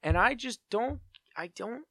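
A man's voice: extremely high pitch, animated, unhurried, a bit bright, no echo, studio quality. A man co-hosting a podcast, chatting casually and rambling in a playful way. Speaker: podcast co-host. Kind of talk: casual, rambling pop culture chat.

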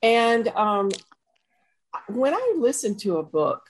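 Slow-talking husky woman. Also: a little high, sing-song, low-quality recording. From Austin, Texas, US. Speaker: audience member asking a question. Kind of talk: spoken question at a panel.

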